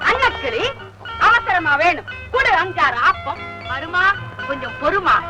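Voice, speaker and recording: A chatty comic appam seller. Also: female voice, very high-pitched, big pitch swings, measured pace, exaggerated voice, poor audio. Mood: bantering. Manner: bantering, rhyming wordplay. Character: chatty comic village appam-selling woman. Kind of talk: 1970s film comedy dialogue. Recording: film soundtrack with music behind.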